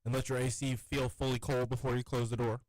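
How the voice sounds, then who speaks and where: A man's voice: medium pitch, little pitch movement, fast talker, a little mellow, no echo, poor audio. A young man co-hosting a sports radio show, sounding congested and talking in an easygoing, rambling way. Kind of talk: casual sports radio chat. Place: radio studio. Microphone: studio microphone.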